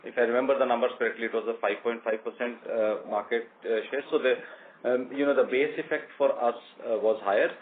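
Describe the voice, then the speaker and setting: A man with an Indian accent answering questions as a company executive on an earnings conference call, explaining in a measured, halting way. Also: mid-range voice, fairly even intonation. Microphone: conference call line. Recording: tinny conference phone line with noise.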